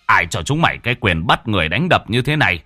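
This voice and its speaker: A man's voice: fairly low pitch, sing-song, quick pace, pushed and bright, dry recording, faint music behind, heavily acted. A man voicing a stern village headman who gives angry, commanding orders.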